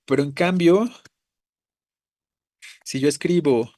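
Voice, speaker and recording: A man gives a patient class lecture in a slightly higher voice, recorded dry and close. He explains step by step, stops to correct himself, and keeps checking that his students follow along. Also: takes it slowly, dark tone, dry recording. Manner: explains patiently, tags phrases with "¿no?" and "¿vale?"; self-corrects mid-sentence. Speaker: Spanish teacher.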